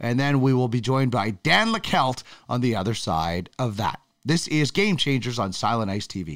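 A man with a Canadian accent speaks in an ordinary speaking voice at medium pitch, with lively intonation. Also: moderate pace. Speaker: podcast host and freelance announcer. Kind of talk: casual podcast chat, with sports commentary.

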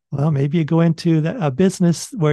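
A man speaks in a dark, mellow tone that is somewhat breathy, with ordinary pitch variation. The sound is dry and close, with no echo. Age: 60s. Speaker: personal finance podcaster, retiree. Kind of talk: casual interview conversation. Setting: remote call from a home.

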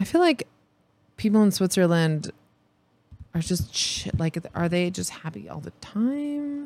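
With an animated tone, a woman speaks at a fairly low pitch, making very wide pitch swings and big swings in loudness. She leaves long, frequent pauses. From Southern California. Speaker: podcast co-host. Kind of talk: casual banter podcast chat. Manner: animated, joking.

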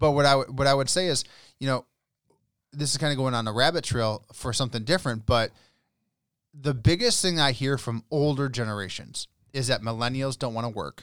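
A man with an American accent talks at a fairly quick pace, stopping for long, frequent pauses. The recording is very clean and the background silent. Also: medium pitch for a man, ordinary pitch variation. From Michigan small town, US Midwest. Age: 30s. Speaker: guest. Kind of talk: casual chat. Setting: studio.

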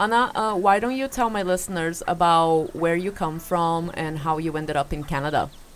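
The speaker has a Portuguese accent and talks at a moderate pace. There are hardly any pauses, and the pitch varies in an ordinary way. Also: woman. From Brazil. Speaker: podcast host. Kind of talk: casual interview chat. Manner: animated.

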